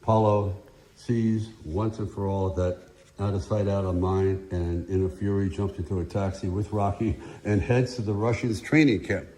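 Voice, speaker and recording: Deep, slurring man in a roomy clip. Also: steady tone, moderate pace. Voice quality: very deep voice with a slur. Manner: slurred, soft-edged vowels. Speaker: filmmaker interviewed in a documentary. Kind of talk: reflective interview talk.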